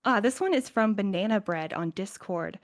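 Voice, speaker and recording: A woman's voice: mid-range voice, lively intonation, normal speed. A woman in a podcast cast, chatting casually and playfully with the others. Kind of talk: casual panel chat.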